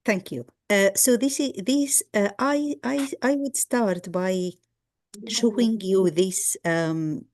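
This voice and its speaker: A middle-aged woman from Egypt gives a lecture over a video call, speaking in a measured way with frequent ums and restarts. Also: mid-range voice, darkish tone. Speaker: guest lecturer. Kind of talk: online lecture.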